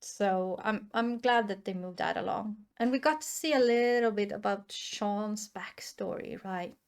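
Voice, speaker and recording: A woman's voice: mid-range voice, unhurried, clear, resonant tone. A woman whose first languages are Swedish and Norwegian, hosting casual reaction commentary and thinking aloud with many restarts. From Sweden or Norway. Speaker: reaction channel host.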